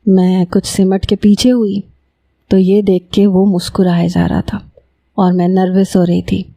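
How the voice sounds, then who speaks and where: A woman narrating a first-person love story in a steady reading voice. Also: mid-range voice, gravelly, no room sound.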